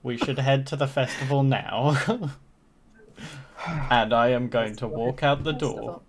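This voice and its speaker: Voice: mid-range voice, steady tone, measured pace, a crowd in the background. A player in a tabletop game, talking casually and conversationally.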